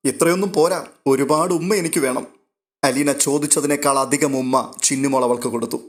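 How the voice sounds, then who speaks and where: A man narrating a novel aloud in a steady, literary storytelling manner. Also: medium pitch.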